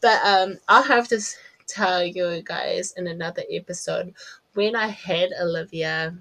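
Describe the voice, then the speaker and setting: A woman's voice: fairly low pitch, measured pace, a bit bright, poor audio. A woman with a New Zealand accent, chatting casually to camera from her home office as a podcast host, laughing at herself often.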